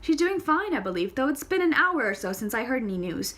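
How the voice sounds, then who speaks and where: A woman's voice: high voice, very animated, fairly quick, a bit bright, pitched above the performer's own voice, exaggerated voice. A woman voicing a wry, teasing young woman in an audiobook reading.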